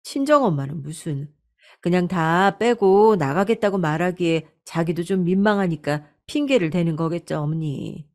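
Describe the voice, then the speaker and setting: Pushy, sweet-talking daughter-in-law read by a woman narrator, a bit higher than the narration, mellow tone. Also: normal speed, lightly acted. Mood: coaxing. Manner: persuasive, pushy, sweetly insistent.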